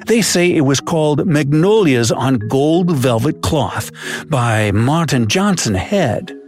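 A man's voice: fairly high pitch, lively intonation, slow, darkish tone, soft background music. A man voicing an old male pirate storyteller who tells tales of lost treasure in pirate slang with a theatrical drawl. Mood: jolly. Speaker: narrator. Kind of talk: scripted narration.

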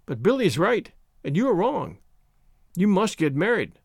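A man plays an intense young man in a dramatised story, stern and jealous. His delivery is urgent and imperative, with a raised, very animated pitch. The sound is dry and close. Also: moderate pace, vocal fry, dry recording, heavily acted. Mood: stern, resolute. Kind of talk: dramatised audiobook story reading.

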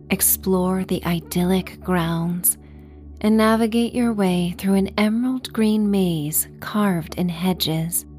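A woman narrating a sleep story and guided meditation softly and gently, with a breathy voice that drifts near a whisper. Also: mid-range voice. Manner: slow, gentle, measured. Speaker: podcast host and meditation guide.

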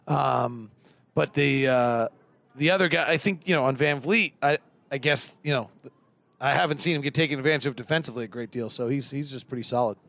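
A man's voice: mid-range voice, fairly quick, vocal fry. A man co-hosting a postgame sports radio show, breaking down the game and telling jokes and stories in a studio. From California. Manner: animated, joking, storytelling. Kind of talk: postgame analysis chat. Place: closed studio near an arena.

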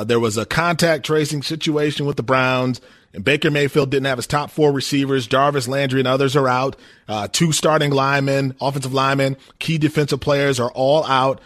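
A man from Minnesota co-hosting a sports talk radio show, talking in animated bursts and laughing as he makes his points. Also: medium pitch. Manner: animated, laughs often, stresses words for emphasis. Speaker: fill-in sports radio host.

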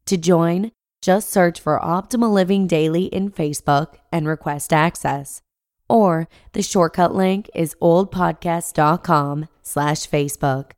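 A woman hosts a podcast and reads a post aloud in a lowish voice. She sounds a bit congested from a cold, with friendly, chatty asides. Her voice is dry and close to the mic. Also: a little slow, darkish tone, no room sound. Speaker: podcast host and narrator. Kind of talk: reading a blog post aloud.

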